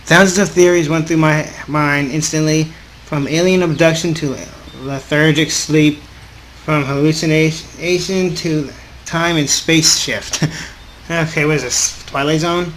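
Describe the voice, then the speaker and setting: Higher-voiced man reading a game aloud, noisy recording. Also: fairly even intonation, a bit bright. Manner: informal, halting read-aloud with off-script remarks. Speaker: gaming video host. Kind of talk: reading a visual novel aloud with casual asides. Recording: clearly audible background noise.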